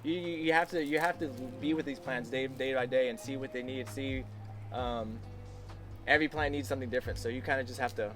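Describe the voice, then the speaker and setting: In this outdoor interview, the American food forest farmer talks a little fast with a medium pitch and steady tone. His chatty, loose speech is full of restarts, and background music runs under his voice.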